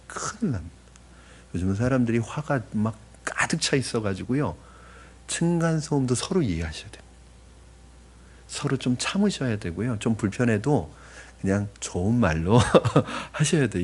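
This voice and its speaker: A man's voice: on the low side, breathy edge. A man preaching a conversational sermon as pastor, often asking the congregation questions. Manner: acts out polite apologies in a softened voice.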